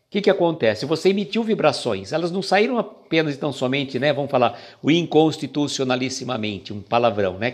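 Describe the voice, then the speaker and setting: Man reading and explaining a spiritual book. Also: medium pitch. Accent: Brazilian Portuguese. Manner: reads passages slowly, then explains casually with fillers and jokes. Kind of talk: casual reflective reading and commentary.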